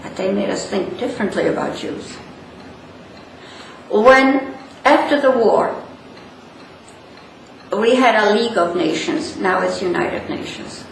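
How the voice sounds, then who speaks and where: An older woman from Poland with a Polish accent, telling stories and reflecting in an interview, halting and repeating phrases for emphasis. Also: medium pitch, vocal fry. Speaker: interviewee, speaker on Holocaust education. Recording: very echoey room, distant mic, light noise.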